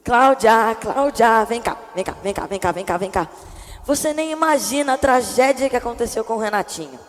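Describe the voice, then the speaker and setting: A woman plays a talkative boy who can't stop embellishing gossip, piling drama onto every detail. The voice sits a little high. It rings with long church reverb. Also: expressive, fast talker. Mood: excited gossip. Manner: breathless, exaggerating, dramatic gossip. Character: chatty boy who spreads made-up gossip. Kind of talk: church skit acting.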